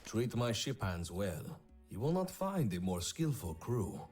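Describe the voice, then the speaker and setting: Low, swooping proud sea captain. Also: male voice, big pitch swings, a little slow, a little mellow. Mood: proud, commanding. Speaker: game voice actor. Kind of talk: scripted video game voice acting. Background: game music.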